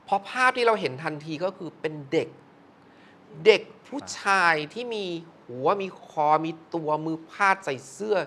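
A woman's voice: on the low side, animated, normal speed, a bit bright. A middle-aged woman telling a haunted film-set story in casual conversation, acting out quoted voices expressively. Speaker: film producer or director.

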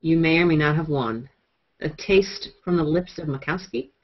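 Female co-host, fairly low voice, deadpan, teasing, muffled video-call sound. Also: normal speed. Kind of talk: casual group video chat.

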